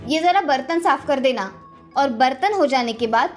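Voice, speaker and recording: A woman voicing a harsh, bossy stepmother who scolds and taunts in an animated storybook. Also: high-pitched, normal speed, faint music behind. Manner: bossy, taunting, snapping orders.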